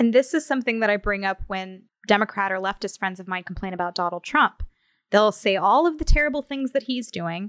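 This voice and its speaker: In a very clean recording with a silent background and a dry, close sound with no echo, a woman speaks with an unremarkable speaking voice at medium pitch. Her intonation is lively, her pace fairly quick, and her loudness swings widely. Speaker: libertarian podcaster. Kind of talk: casual chat.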